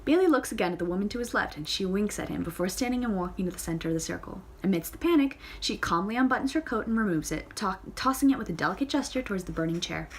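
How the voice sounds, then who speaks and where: A woman's voice: mid-range voice, lively intonation, quick pace, hardly any pauses, a little hiss or hum. A woman reads a novel aloud in a casual way. She often stumbles and corrects herself, and she adds playful side comments of her own. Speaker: audiobook reader.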